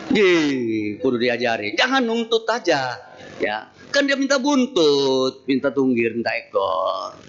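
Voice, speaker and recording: Male Buddhist preacher, unhurried comic storyteller who acts out voices; dull lo-fi temple-hall recording. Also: a little high. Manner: animated, acts out quoted dialogue in shifting voices. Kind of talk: humorous sermon storytelling. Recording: dull lo-fi sound with faint noise.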